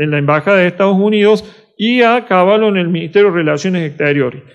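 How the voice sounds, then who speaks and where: High pitch from a man, over a quiet background. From Argentina. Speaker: accountant, economics commentator; economics commentator. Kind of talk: radio interview. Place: studio. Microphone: studio mic.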